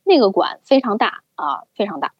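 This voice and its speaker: A young woman casually telling a story as a podcast co-host, with an animated, chatty manner. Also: medium pitch, normal speed, husky, dry recording. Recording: slightly dull, dry recording.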